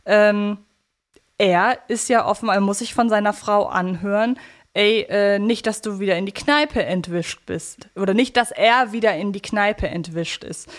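A woman co-hosting a podcast, talking casually and analytically in a reflective, elaborating way. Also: medium pitch. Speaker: podcast co-host. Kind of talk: casual analytical podcast talk about an audio drama series.

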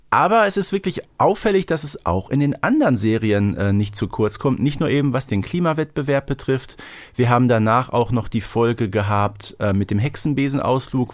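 A man's voice: medium pitch, no room sound. Man co-hosting, dry studio-like sound. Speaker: podcast co-host. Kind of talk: conversational audio drama review.

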